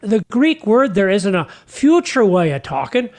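An actor playing a humble, folksy fisherman apostle in a comic radio sketch, earnest and chatty, halting over his words. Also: high voice, big pitch swings. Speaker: guest character.

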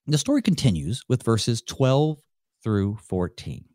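A man's voice: mid-range voice, big pitch swings, measured pace, warm tone, no room sound, studio quality. A male pastor hosting a solo Bible study, talking it through in a conversational way, thinking aloud with light chuckles. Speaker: pastor and host.

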